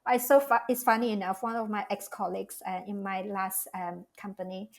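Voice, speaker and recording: A woman's voice: mid-range voice, steady tone, fairly quick, creaky, a little mellow. A woman, talking as an interview guest in a reflective way, often restarting her phrases as she thinks aloud. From Malaysia. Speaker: guest, cultural strategist. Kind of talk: casual interview talk.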